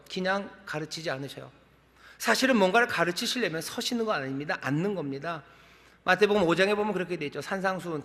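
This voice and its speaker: Male senior pastor, high bright sermon voice, rising calls, long church reverb. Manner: preaching in rising calls and questions. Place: large church sanctuary.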